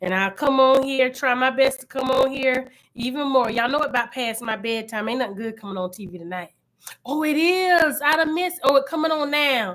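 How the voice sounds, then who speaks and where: Loud and animated, a woman talks at a fairly quick pace. Her pitch is high and her intonation lively. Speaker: livestream host. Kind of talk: casual live chat. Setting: livestream.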